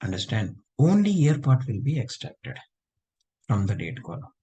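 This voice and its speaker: A man teaching a live online software class over a video call, unwell and talking low, often checking that students understand. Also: big pitch swings, normal speed, slightly rough. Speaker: software trainer.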